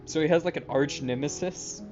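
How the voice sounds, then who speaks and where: A man streaming a game, reading its text aloud and adding excitable, jokey commentary. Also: on the high side. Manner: jokey, excitable, quick asides. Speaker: gaming streamer. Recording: muffled, game music behind.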